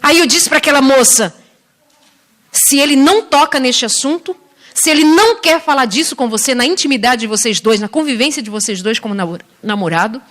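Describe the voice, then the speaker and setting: A woman's voice: sits high, lively intonation, brisk, a bit bright. A middle-aged woman preacher from Brazil giving a sermon, telling stories expressively and acting out the voices of the people she quotes.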